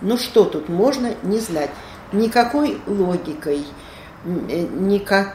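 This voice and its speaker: Amid noticeable background noise and audible room echo, a woman speaks at a medium pitch with ordinary pitch variation. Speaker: screenwriter. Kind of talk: interview.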